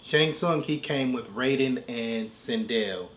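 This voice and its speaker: An American man in casual discussion, thinking aloud in a halting, emphatic way and often repeating himself. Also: mid-range voice, fairly bright tone, a little hiss or hum. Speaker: reaction show host. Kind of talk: casual chat, video game story discussion. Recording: roomy, echoing space.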